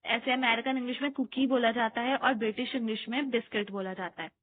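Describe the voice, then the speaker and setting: A woman teacher with an Indian accent explaining study notes, reading English lines slowly and then explaining them at length with many hesitations. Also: fairly high pitch, steady tone, slight background noise. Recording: tinny phone-quality audio.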